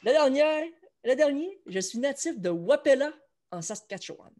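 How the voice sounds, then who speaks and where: Chatty Quebec French host. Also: male voice, extremely high pitch, animated, moderate pace, a little mellow. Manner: chatty, runs a trivia quiz. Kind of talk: casual sports chat.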